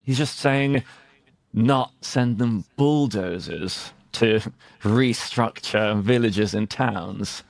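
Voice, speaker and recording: A British man, an English teacher, talking casually about current affairs in a searching, halting way with rhetorical questions. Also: lowish voice, vocal fry, dry recording. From Britain. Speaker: English teacher and conversation host.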